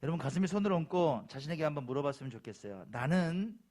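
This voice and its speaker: A man's voice: fairly high pitch, expressive, fast, a little mellow. A male pastor preaching a Sunday sermon in a church, who speaks emphatically, repeats key phrases and talks straight to the congregation. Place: church sanctuary.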